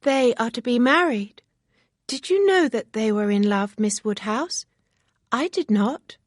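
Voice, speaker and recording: A woman reading a story aloud, voicing an eager, excitable young woman who speaks in breathless, bright exclamations. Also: a little high, a little slow, no echo, clean studio sound, voice pushed up. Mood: excited.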